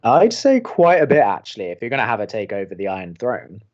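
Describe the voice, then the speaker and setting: A man's voice: fairly low pitch, wildly swooping pitch, fast, a little mellow, lo-fi sound. A man playing a wry, sceptical young college radio co-host in an audio comedy, with a dry, teasing delivery. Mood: surprised, teasing. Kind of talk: audio drama romantic comedy dialogue.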